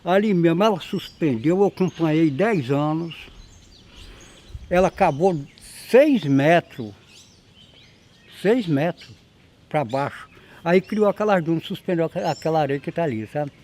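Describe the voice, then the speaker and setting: A man's voice: on the high side, expressive, measured pace, darkish tone. A man in his eighties, a local resident telling old stories about his village in a folksy, emphatic way that repeats itself. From Espírito Santo, Brazil. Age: 80s. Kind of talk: storytelling interview.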